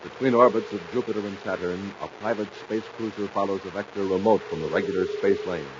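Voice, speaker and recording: A man's voice: fairly low pitch, steady tone, quick pace, lightly acted. A man narrating a 1950s radio adventure serial in scripted, dramatic style. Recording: muffled, noisy 1950s radio recording.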